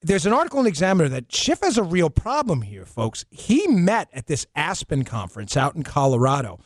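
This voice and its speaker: Sarcastic fast-talking male political talk host. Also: fairly high pitch, huge pitch swings, dry recording, clean studio sound. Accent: New York. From New York. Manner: rapid, sarcastic, mocking. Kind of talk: political talk show commentary.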